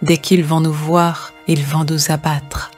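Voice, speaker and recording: A woman voicing a sober, knowing sow in a cartoon fable, explaining things in a measured way. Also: deep voice, flat delivery, darkish tone, faint music behind. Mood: worried. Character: sober, knowing adult female pig advising the herd.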